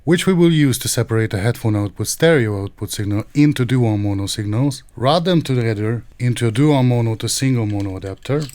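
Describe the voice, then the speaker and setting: A man's voice: medium pitch, animated, a little fast, hardly any pauses, darkish tone. A man narrating an instructional tech tutorial in a methodical, precise, explanatory way. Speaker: tech reviewer and tutorial presenter.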